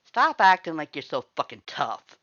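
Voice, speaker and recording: A man's voice: a little high, wildly swooping pitch, moderate pace, sharp tone, dry recording, highs cut off, pitched above the performer's own voice, heavily acted. A man voicing a surly, short-tempered skeleton monster who growls and swears confrontationally in a story reading. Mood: aggressive, taunting.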